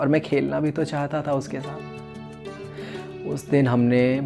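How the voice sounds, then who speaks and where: A man speaks with a medium pitch. Music plays in the background. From India. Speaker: poet and storyteller. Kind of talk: spoken-word love story performance.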